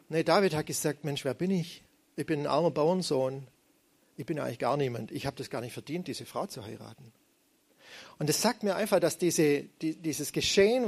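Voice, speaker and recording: A man's voice: a little high, gravelly. A middle-aged man preaching a sermon, retelling scripture in a conversational, storytelling manner.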